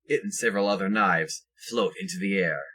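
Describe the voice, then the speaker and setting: A man's voice: sits low, brisk, bright, forceful tone, husky. A man reading scripted present-tense action narration for an audio drama.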